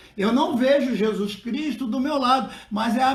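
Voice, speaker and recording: Noticeable background noise surrounds a man whose pitch is extremely high, with ordinary pitch variation at a moderate pace. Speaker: pastor and theology teacher. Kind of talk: bible study lecture. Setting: seated, filmed alone.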